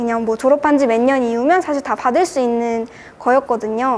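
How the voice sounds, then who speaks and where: A woman's moderate-paced speech comes through noticeable background noise. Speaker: activist. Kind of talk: lecture. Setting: forum with online livestream.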